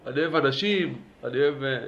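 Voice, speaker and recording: A man teaching a religious class in a lively lecture style, urging his listeners on and asking them questions. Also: medium pitch, highs cut off. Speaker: Torah teacher.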